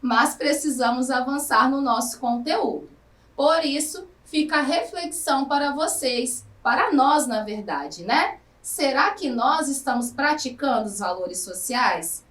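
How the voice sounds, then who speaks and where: Brazilian woman teacher, high voice, slow careful lesson, echoey room a bit off mic. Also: animated, a bit bright, far from the mic. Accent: Brazilian Portuguese. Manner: slow, careful, drawn-out words. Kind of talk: recorded lesson for adult students.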